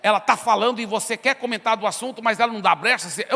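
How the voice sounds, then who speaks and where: Bright high-voiced preaching man, hall reverb. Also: racing, creaky. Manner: conversational preaching, acts out prayers and dialogues. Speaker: pastor. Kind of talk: sermon.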